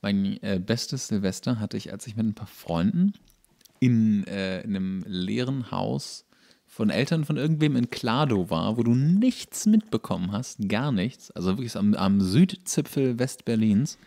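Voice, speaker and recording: A man's voice: fairly low pitch, animated, unhurried, vocal fry, warm tone. A man co-hosting a podcast, telling anecdotes in casual, colloquial, self-correcting speech. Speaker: podcast co-host.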